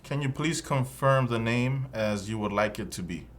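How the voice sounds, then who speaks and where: A man voicing an immigration officer running an interview. He asks one formal question after another in a neutral, even manner, at a mid pitch for a man. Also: normal speed, slight background noise, lightly acted. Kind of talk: scripted practice dialogue.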